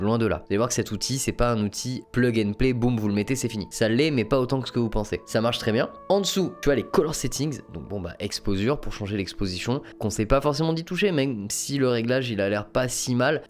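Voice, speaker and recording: A man giving a chatty, informal software tutorial and talking straight to his viewers. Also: mid-range voice. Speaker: video editing tutor. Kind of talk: screen-recorded software tutorial.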